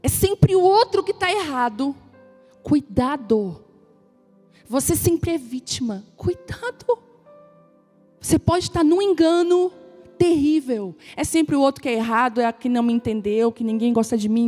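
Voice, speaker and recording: A woman's voice: sits high, a little fast, warm tone, faint music behind. A woman preacher giving an emotional, conversational sermon, speaking straight to a women's gathering.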